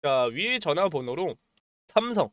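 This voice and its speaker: A man's voice: fairly high pitch, very animated, moderate pace, a bit bright, no echo, clean studio sound. A male stock market commentator with a cold, his voice a bit strained, pushing urgent buy-and-sell calls in a repetitive promotional monologue. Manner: pushy, repeats "자" as a filler, urgent promotional tone. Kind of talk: stock analysis monologue with sales pitch.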